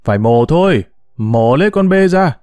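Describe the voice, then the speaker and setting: A man voicing a boastful, dismissive older village medic with a booming voice, in a storybook reading. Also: expressive, normal speed, no echo, studio quality, close to an everyday voice. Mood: scornful. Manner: loud, scornful.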